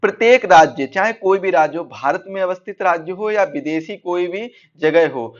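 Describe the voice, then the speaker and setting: A dull, lo-fi recording of a man teaching in a high-pitched voice. He explains like an online exam coach, restating each point in slightly different words. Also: moderate pace. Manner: repeats and rephrases points. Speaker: exam-prep instructor. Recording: dull, lo-fi band-limited audio.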